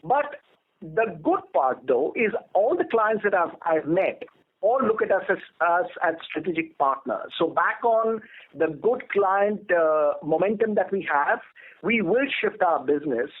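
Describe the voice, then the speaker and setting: Male executive, notably high voice, measured, emphatic, corporate phrasing, narrow phone-line sound. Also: animated. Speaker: company executive. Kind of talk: earnings call answers. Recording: narrow telephone conference line.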